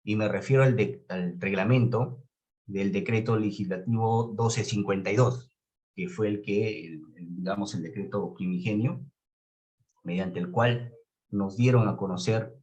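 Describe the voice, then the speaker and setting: A man with a Peruvian Spanish accent teaching a class in a didactic way, stressing key words and checking that students follow. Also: fairly low pitch. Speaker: course instructor. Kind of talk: online lecture on public administration.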